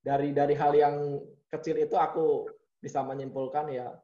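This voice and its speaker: A man's voice: fairly high pitch, little pitch movement, normal speed, mellow, highs cut off. A man in casual interview chat, who talks with animation and sometimes mimics blunt, direct speech. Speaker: interview guest.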